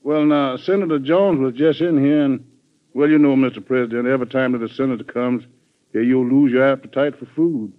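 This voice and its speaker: An actor playing a deferential, folksy, kindly White House manservant with a hesitant, polite manner, in an old-time radio drama. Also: male voice, medium pitch, fairly even intonation, brisk, lightly acted. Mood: hesitant, solicitous. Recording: muffled old radio broadcast recording.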